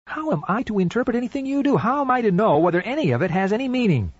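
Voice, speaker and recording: A man's voice: sits high, big pitch swings, fast, slightly rough, dry recording, pitched above the performer's own voice, full character voice. A man voicing an exasperated guy pleading with his dog. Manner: exasperated, questioning. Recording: dull, dry lo-fi audiobook recording.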